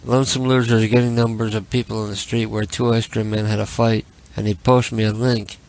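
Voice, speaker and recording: A man's voice: on the low side, flat delivery, a little fast, darkish tone, rough recording. A drunk man hosting a late-night call-in show, rambling, giggling and crude. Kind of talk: casual late-night chat.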